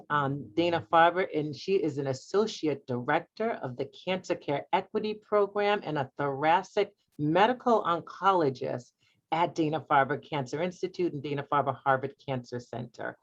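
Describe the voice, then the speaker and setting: Low-voiced woman reading a formal speech. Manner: formal, read from a prepared script. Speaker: program host. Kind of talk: scripted ceremony speech. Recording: dull lo-fi sound.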